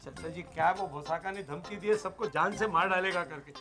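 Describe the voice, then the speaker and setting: A man's voice: sits high, a little fast, bright, forceful tone. An actor playing a cowardly male police officer who timidly makes excuses. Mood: evasive. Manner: evasive, timid, excuse-making. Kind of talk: TV drama acting. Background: background music.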